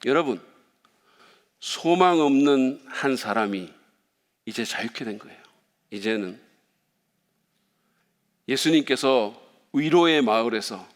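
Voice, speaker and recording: A man's voice: mid-range voice, lively intonation, takes it slowly, pauses often. A male pastor preaching a sermon, playful and speaking directly to the congregation. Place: church sanctuary. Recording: long reverb of a church hall.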